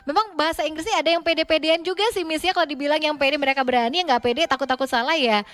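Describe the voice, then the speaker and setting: A woman's voice: sits high, steady tone, rapid-fire, fairly bright tone. A young woman hosting a studio radio show, chatting casually and giggling as she reads out listener messages. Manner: chatty, giggly, many fillers. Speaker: radio host.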